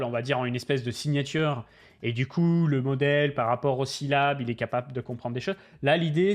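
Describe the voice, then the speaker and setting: A man hosting a livestream, talking casually, bluntly and animatedly, with lots of slang and swearing. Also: medium pitch. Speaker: crypto channel host.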